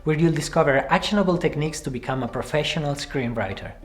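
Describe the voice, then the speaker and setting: A man in his thirties presenting a scripted screenwriting tutorial to camera from a small room, speaking in a clear, measured way. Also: a little high. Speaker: screenwriting teacher. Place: small room with cards pinned on the wall.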